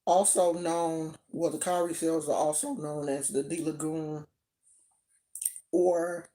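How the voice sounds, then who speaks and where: A woman's voice: sits low, darkish tone. An American woman teaching casually to a live audience, chatty and repeating herself for emphasis. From United States. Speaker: teacher of a religious tradition.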